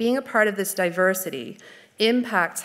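This woman has a Canadian accent and a medium pitch. She talks at a moderate pace with ordinary pitch variation. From Canada. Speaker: art history lecturer. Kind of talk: lecture. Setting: stage with audience. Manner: hesitant with fillers. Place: hall.

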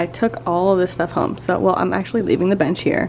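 Over light background noise, a soft-spoken voice moves at a fairly quick pace. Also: woman. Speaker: elementary school teacher. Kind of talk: casual vlog narration. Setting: empty school classroom. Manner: quiet, soft-spoken. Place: classroom. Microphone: phone near.

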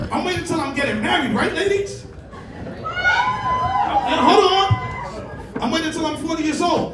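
A man talks at a fairly slow pace. The room echo is audible, and the background noise is loud. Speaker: stand-up comedian. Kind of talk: stand-up comedy set, crude, profane, crowd-work riffs and punchlines. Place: stage.

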